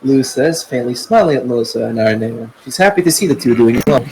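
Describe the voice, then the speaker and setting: Reading a web novel chapter aloud for a podcast, a man keeps slipping, correcting himself, and laughing along the way. His mid-range voice is expressive and fast, with a darkish tone. The low-quality recording carries a slight hiss or hum.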